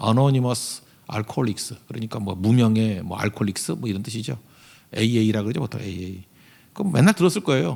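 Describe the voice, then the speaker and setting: This is a normal speaking voice from a man at a medium pitch. He talks at a fairly quick pace with ordinary pitch variation. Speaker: pastor. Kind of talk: sermon.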